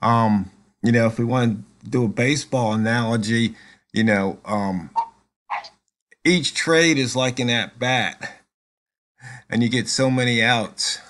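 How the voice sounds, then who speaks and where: A man's voice: medium pitch, unhurried, long pauses, a bit bright. A man in casual conversation on a call, thinking aloud with frequent "um" and "uh" and reaching for analogies. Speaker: trader.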